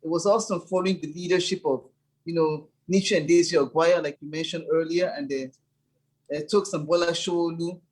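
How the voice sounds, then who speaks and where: Husky-voiced woman, earnest. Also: on the low side, fairly even intonation, fairly quick, darkish tone, poor audio. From Nigeria. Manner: earnest, enthusiastic, repeats words as she builds up. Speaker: church leader, former lawyer. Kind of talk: reflective interview answers.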